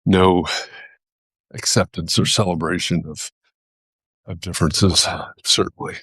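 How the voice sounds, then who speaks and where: A man with a very low voice talks thoughtfully, pausing and restarting as he searches for the right words. He sounds like a host sharing his thoughts on a live video. The sound is close and dry, with no room echo. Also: steady tone, a bit bright, husky. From United States. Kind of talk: reflective casual talk.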